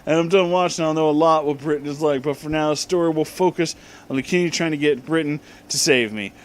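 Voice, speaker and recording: A man giving a comic dramatic reading, deliberately enunciating garbled words and dropping in casual asides. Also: on the high side. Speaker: reader and commentator of bad fan fiction.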